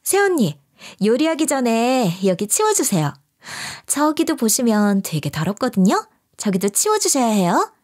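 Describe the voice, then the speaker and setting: A woman's voice: on the high side, very animated, moderate pace, a little mellow. A woman voicing a rude young sister-in-law who whines and makes snippy demands. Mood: demanding.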